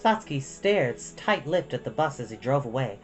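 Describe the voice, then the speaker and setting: A woman narrates a storybook in a low voice with lively, expressive intonation. Faint music plays behind her reading. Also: moderate pace. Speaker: storytime reader.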